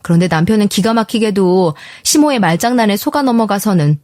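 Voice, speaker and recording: A woman's voice: mid-range voice, lively intonation, fairly quick, darkish tone, no room sound, clean studio sound. A woman reading a first-person story script aloud in a confiding, indignant storytelling manner. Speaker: story narrator.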